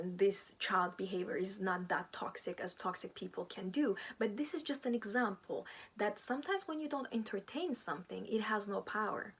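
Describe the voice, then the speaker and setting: Breathy woman giving earnest advice. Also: medium pitch. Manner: earnest, acts out quoted replies. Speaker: self-help video host. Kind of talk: informal advice talk.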